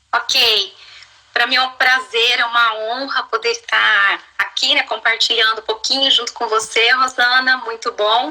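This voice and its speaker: Over noticeable background noise, a woman speaks at a high pitch and a fairly slow pace. Her intonation is monotone and flat. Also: very even loudness. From Brazil, São Paulo city. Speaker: pastor's wife. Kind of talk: testimony. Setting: online live stream.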